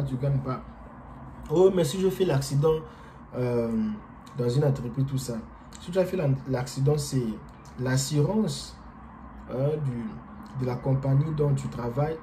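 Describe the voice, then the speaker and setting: A man from DR Congo, not a native French speaker, talks to camera in a relaxed vlog. His voice is very dark and mellow, and his delivery is halting, full of fillers and restarts. Faint noise sits under it. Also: medium pitch. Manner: hesitant, halting, frequent fillers and repeated words. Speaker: vlogger. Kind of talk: casual explanatory monologue.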